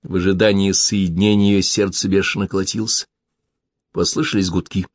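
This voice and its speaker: A man narrating an audiobook in a measured, even reading voice. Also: sits low. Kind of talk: scripted narration.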